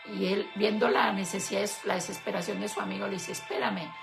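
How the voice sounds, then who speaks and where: A woman co-hosting a Christian talk show, retelling a fable in an unhurried, storytelling way. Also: mid-range voice, steady tone, gravelly, music in the background. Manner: unhurried storyteller, slows for emphasis.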